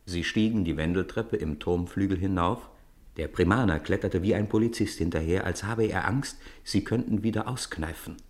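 Narrator for a family radio drama: male, low-pitched, scripted storytelling. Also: moderate pace.

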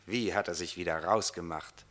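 An actor playing a wry, animated storyteller, narrating a radio drama in a theatrical way. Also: male voice, sits low, normal speed. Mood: wry, dramatic.

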